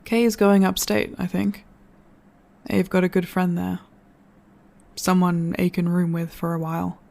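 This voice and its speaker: An actor playing a reflective storyteller in an audio drama, giving an earnest, measured farewell address to listeners. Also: mid-range voice, little pitch movement, gravelly, a little mellow. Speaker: narrator.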